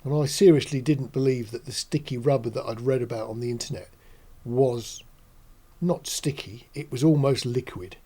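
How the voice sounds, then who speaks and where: A man in his sixties with a soft, mellow voice talks casually to camera. He explains things in a measured, matter-of-fact way at a middling pitch, recorded in a small studio. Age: 60s. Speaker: host.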